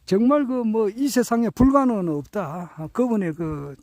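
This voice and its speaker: A man in his sixties giving a reflective spoken talk, earnest and hesitant, with many drawn-out fillers and self-corrections. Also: high-pitched, a little mellow, no room sound, rough recording. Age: 60s. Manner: earnest, self-correcting while counting out years. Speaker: speaker sharing reflections on his teachers.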